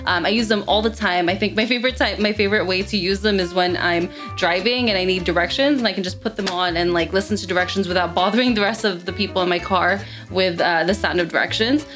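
A young woman in her twenties chats straight to camera from a small room. Her voice sits fairly high and loose, full of "like" and "um" as she answers questions. Faint music plays underneath. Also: fast talker, few pauses, a bit bright. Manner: chatty, lots of "like" and "um" fillers. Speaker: tech reviewer. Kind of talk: casual Q&A talk to camera. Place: small room with gaming chair and LED lights, indoors.

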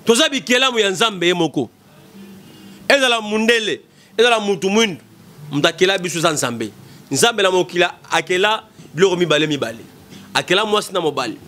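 A man's voice: high-pitched, animated, a little fast, bright, forceful tone. A man in his thirties with a Congolese accent, giving impassioned political commentary into a desk mic in a small studio, emphatic and repetitive. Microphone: desk mic in front.

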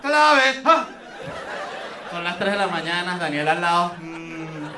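A Venezuelan man performs stand-up crowd work in a high-pitched voice, teasing people with mocking banter. He is on a roomy theater stage, with audience noise clearly around him. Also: big pitch swings, slow, distant mic. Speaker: stand-up comedian, host. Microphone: handheld microphone.

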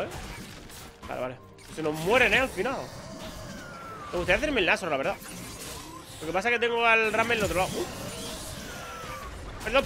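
A man commentating his own gameplay live, chatty and excitable, taunting enemies aloud. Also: sits high. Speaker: gaming YouTuber.

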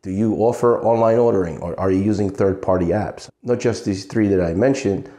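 A middle-aged man giving an earnest scripted sales pitch to camera, asking rhetorical questions. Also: fairly quick, dark tone, reverberant. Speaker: web agency owner pitching to restaurants. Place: indoor studio in front of a logo backdrop. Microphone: fixed camera, seated medium shot.

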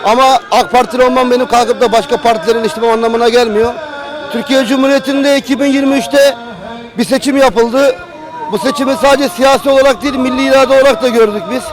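A man's voice: very high-pitched, steady tone, fast talker, music in the background, low-quality recording. A man giving his political views in a street interview, fluent and confident. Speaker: passerby interviewee.

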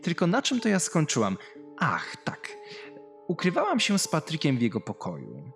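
A man's voice: a little high, huge pitch swings, normal speed, creaky, voice pushed up, exaggerated voice. Man reading as a cold young female killer. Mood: brooding, haunted. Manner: confessional, menacing storytelling. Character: cold, talkative young female killer telling her past. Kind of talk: horror audio story. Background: music.

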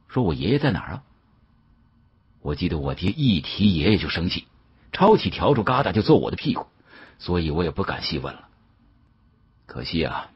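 Male audiobook narrator, raspy and animated, colloquial dramatic storytelling, muffled dry sound. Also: deep voice, no room sound. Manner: colloquial, expressive. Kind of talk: dramatic first-person storytelling.

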